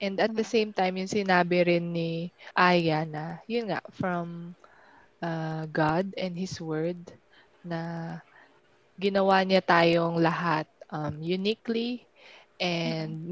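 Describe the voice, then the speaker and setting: A woman talks very slowly in a fairly low pitch with fairly even intonation. The sound is dry and close, without echo. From Quezon City, Philippines. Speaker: podcast co-host. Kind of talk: casual chat.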